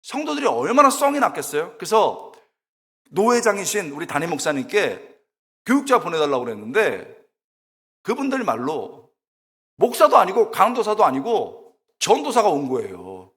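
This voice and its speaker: Animated middle-aged preacher with a lively voice. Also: male voice, high voice, normal speed. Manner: animated, exclamatory, acts out the people in his stories. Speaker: guest preacher, preaching professor. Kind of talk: sermon with humorous storytelling. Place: church sanctuary. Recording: long church reverb.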